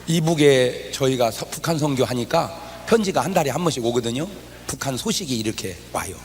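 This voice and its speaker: A man preaching a sermon as pastor, firing rhetorical questions at the congregation and swinging between loud exclamations and low asides. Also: animated, fairly quick, slight background noise.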